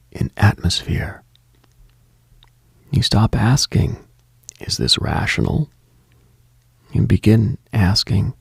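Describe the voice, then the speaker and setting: A man with a very low, heavily husky voice delivers a contemplative late night radio monologue. He is hushed and brooding, leaving long deliberate pauses. The sound is close and very dry. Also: dry recording. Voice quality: husky, gravelly.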